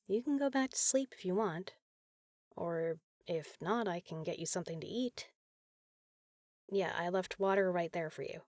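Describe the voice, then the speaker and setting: A woman playing a caring, teasing big sister in an intimate comfort roleplay, talking softly and casually. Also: fairly low pitch, dry recording, studio quality, natural voice. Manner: soft, soothing, casual, playful.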